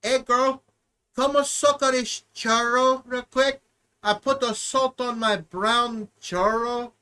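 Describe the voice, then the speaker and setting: A man voicing a crude, boastful Hispanic barbecue guy in an exaggerated put-on Mexican Spanish accent, halting and slangy. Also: very high-pitched, fairly even intonation, bright, forceful tone, clean tone, full character voice.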